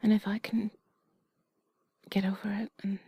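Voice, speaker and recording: A woman voicing a tender, affectionate partner in a whispered role-play, breathy, gentle, intimate and reassuring. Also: medium pitch, little pitch movement, normal speed, dry recording, clean studio sound. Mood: soothing, tender. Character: tender affectionate female partner comforting a loved one.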